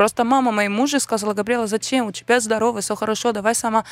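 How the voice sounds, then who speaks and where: This is a woman speaking with a Brazilian accent. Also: very clean recording, silent background. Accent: Brazilian-accented Russian. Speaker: singer, Brazilian living in Russia. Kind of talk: casual interview. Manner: halting, grammatical errors.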